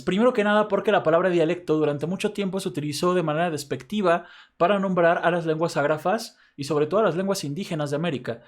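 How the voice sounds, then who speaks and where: A man with a Mexico City accent lecturing to his class as a university professor. His voice sits a little high for a man, and he explains step by step. He keeps pausing to check in with quick tag questions. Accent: Mexico City Spanish.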